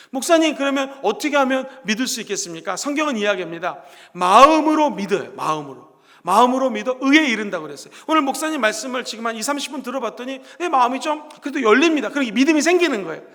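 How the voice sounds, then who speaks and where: A middle-aged male pastor giving a lively sermon to a youth service, acting out little dialogues and having the congregation repeat words after him. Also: very high-pitched. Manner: animated, acts out dialogue in voices, shouts key lines. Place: church sanctuary. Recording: reverberant church hall.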